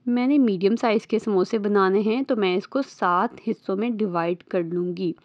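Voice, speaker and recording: A woman's voice: medium pitch, moderate pace, no echo, muffled recording. A woman with a Lahori accent giving a patient, step-by-step voice-over for a home cooking lesson. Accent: Lahori Urdu-Punjabi. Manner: patient step-by-step instructing, often checking in with listeners. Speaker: cooking channel host. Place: voice-over recorded apart from the kitchen footage.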